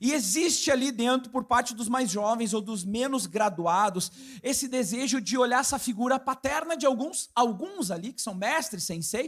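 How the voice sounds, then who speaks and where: Speaking at a moderate pace, a man uses an extremely high pitch and lively intonation. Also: hardly any pauses. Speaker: pastor. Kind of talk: sermon. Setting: church service with congregation.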